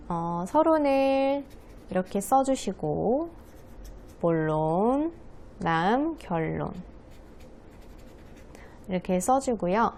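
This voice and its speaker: A woman speech coach explains public speaking to young schoolchildren in a patient, friendly way. Her voice sits at an ordinary middle pitch for a woman. She talks while writing on a board. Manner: friendly, patient teacher voice addressing children. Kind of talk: lesson for schoolchildren.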